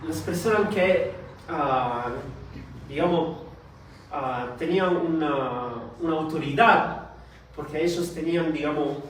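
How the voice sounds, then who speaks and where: A shy man born in Italy preaches slowly and haltingly in a church hall, pausing often on fillers as he searches for words. He is far from the mic, and the hall echoes heavily around him. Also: on the high side. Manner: hesitant, many fillers and restarts; soft-spoken, shy. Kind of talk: sermon with prayer. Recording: distant mic in very echoey hall, faint noise.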